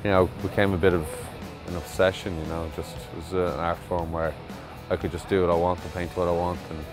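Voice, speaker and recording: Deep-voiced Irish man, easygoing chat. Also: little pitch movement, brisk. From Ireland. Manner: easygoing, rambling with fillers. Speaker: visiting mural artist. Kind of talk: casual interview talk. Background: music bed.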